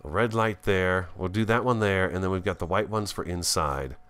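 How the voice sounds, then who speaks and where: A man giving casual, chatty gameplay commentary as a host, thinking aloud and easily excited, talking with a swollen, bitten tongue. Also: sits low, normal speed, smooth. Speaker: gaming video host.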